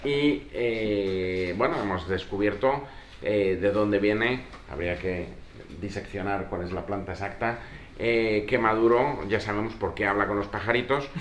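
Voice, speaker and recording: A man moderating a discussion in an informal, halting, hesitant way. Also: fairly low pitch. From not from Mexico. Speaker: host, moderator. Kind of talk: informal closing remarks to an audience. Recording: echoey room with audience noise.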